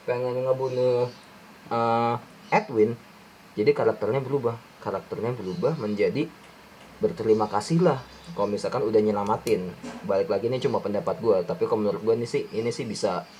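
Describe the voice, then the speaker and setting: A man's voice: medium pitch, a little mellow, low-quality recording. Young guy w rambling thru a movie breakdown, lots of restarts, faint hiss behind. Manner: rambling, many restarts and fillers, slangy Jakarta-style speech. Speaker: film review YouTuber. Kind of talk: casual film breakdown commentary.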